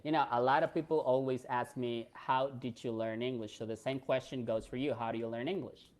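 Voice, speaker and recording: A young man from Peru hosts a live stream in English, which is not his first language. His Peruvian Spanish accent is audible, and he keeps a loose, chatty rhythm with plenty of fillers. His voice sits at an ordinary middle pitch for a man. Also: brisk. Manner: relaxed, chatty, frequent fillers and laughs. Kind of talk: casual live-stream chat.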